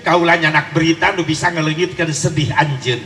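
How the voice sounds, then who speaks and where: A man doing an angel messenger, gentle and dutiful, told inside a lively sermon story. He speaks with a high, bright, gravelly tone. The sound rings with the long reverb of a big hall. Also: a little fast. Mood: reassuring.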